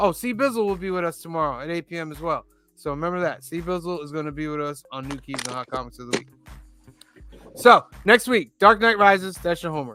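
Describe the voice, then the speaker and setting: With music behind him, a man talks very fast at a high pitch, his loudness swinging widely. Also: lively intonation. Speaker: podcast host. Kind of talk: live podcast sign-off. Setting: live stream.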